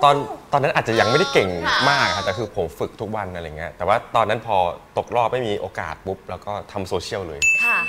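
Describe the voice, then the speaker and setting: Over music in the background, a man with a fairly low pitch speaks with lively intonation and big swings in loudness. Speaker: voice actor and social media dubbing creator. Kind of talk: interview answer. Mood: friendly, smiling. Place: studio. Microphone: lapel.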